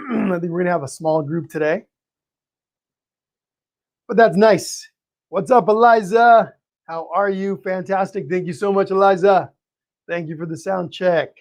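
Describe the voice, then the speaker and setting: A man hosting a live painting stream, greeting viewers by name in a friendly, chatty way, his voice a little hoarse and tired, clearing his throat now and then. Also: sits high, measured pace, long pauses. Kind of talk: live-stream chat and teaching.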